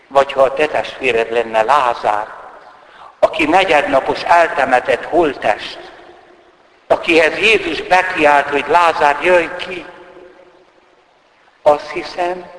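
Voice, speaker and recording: A man preaching a sermon as a priest, his voice rising with emphasis and then sinking low. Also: a bit bright. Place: church. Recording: echoey church with long reverb.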